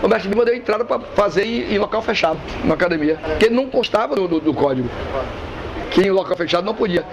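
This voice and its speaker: A man's voice: sits high, expressive, quick pace, gravelly, lo-fi sound. A man who teaches capoeira, speaking in a casual interview, emphatic and blunt, swearing freely. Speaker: capoeira master. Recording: street traffic noise behind.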